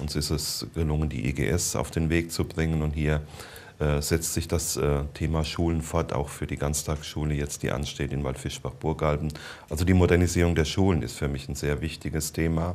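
Vocal fry runs through this man's very deep, low voice. He keeps a moderate pace and fairly even intonation. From Palatinate, Germany; Germany. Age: 50s. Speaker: municipal mayor and candidate; municipal mayor, candidate. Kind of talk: candidate interview. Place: studio. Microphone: lapel.

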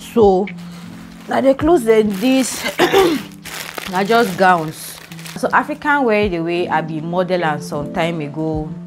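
A woman's fairly slow speech with long, frequent pauses and lively intonation, over noticeable background noise. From Cameroon. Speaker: vlogger. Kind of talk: casual talk to camera. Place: home room. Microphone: lapel.

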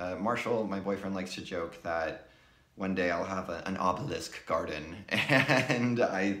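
In a room with audible echo, a man with an American accent speaks at a moderate pace, his fairly low pitch showing ordinary variation. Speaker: pagan video blogger; vlogger. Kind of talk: casual vlog show and tell; casual vlog chat. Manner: hesitant, many fillers. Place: home room.

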